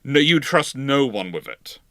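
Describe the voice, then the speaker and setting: A man's voice: mid-range voice, very animated, unhurried, bright, forceful tone, dry recording, studio quality. A man hosting an informal live history discussion, often restarting and correcting himself and repeating points for emphasis. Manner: hesitant, self-correcting, emphatic repetition.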